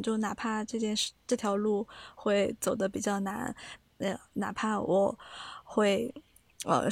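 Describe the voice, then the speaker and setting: A woman co-hosting a podcast, telling a story in a measured, hesitant way with frequent fillers. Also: mid-range voice, gravelly, darkish tone, no echo. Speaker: podcast co-host. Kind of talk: casual chat, storytelling.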